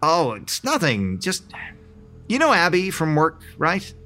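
An actor playing an anxious man who unravels into paranoia, stammering and halting as he narrates. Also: on the high side, huge pitch swings, sharp tone, faint music behind, exaggerated voice. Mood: tired, evasive. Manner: halting, stammering, rising to desperate pleading. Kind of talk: audio drama acting with narration.

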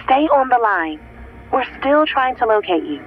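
A woman playing a steady, concerned emergency dispatcher in a horror audio drama, asking procedural questions over a phone line. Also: a little high, moderate pace. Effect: phone line filter.

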